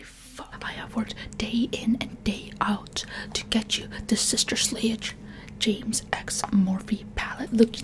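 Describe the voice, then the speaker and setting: A woman's voice: fairly high pitch, poor audio. A woman in her twenties whispering a chatty, playful ASMR roleplay up close to the microphone. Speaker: ASMR video creator.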